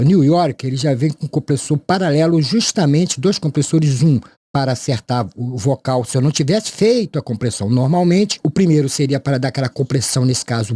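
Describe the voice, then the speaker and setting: Tongue-tied Brazilian man with mellow voice. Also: on the high side, slightly rough, no room sound. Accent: Brazilian Portuguese. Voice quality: tongue-tied speech impediment, lisping articulation. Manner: formal, courteous address to viewers. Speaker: audio mixing tutor. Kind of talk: unscripted software tutorial.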